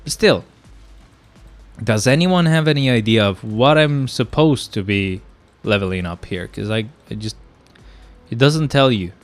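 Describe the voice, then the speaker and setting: A man's voice: mid-range voice, animated, measured pace, soft background music. Stuffy-nosed young man streaming a game. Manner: chatty, easily exasperated, talks to chat. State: stuffy nose from a cold. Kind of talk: casual live-stream chat.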